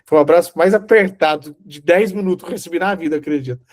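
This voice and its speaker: A man's voice: a little high, fast talker. A man preaching a sermon, telling a personal story and acting out the dialogue. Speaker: Bible teacher.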